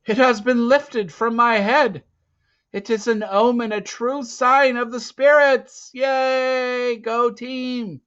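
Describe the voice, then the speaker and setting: A man's voice: very high voice, steady tone, slow, fairly bright tone, clear, resonant tone, lo-fi sound, pitched above the performer's own voice, full character voice. A man voicing a big, fierce, superstitious tribal leader in a storybook, with a declamatory delivery. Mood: triumphant shouting. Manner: declamatory, exclaiming.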